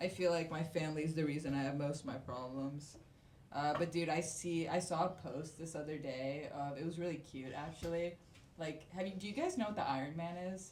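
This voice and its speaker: Amid noticeable background noise and audible room echo, a woman with a very deep, low pitch talks at a fairly quick pace with ordinary pitch variation. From Middle East. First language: not English. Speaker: stand-up comedian. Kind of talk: stand-up. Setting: stage with audience.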